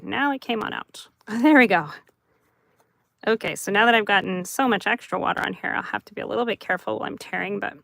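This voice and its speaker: A woman hosting a live craft chat, soft and chatty, who often laughs and talks about her dry mouth. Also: mid-range voice, creaky, dry recording. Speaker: craft livestream host.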